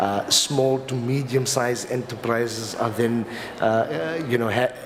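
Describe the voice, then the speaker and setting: A man speaks with a South African accent at a medium pitch and a fairly slow pace. His intonation is fairly even, and background noise is noticeable. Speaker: legal expert, panelist. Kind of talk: panel talk. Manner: hesitant, many fillers and repeats.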